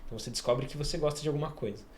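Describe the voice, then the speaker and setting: A man's voice: fairly high pitch, very fast, darkish tone, slight background noise. A Brazilian man hosting a podcast. He eagerly explains an idea step by step in a casual way. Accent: Brazilian Portuguese. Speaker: podcast host.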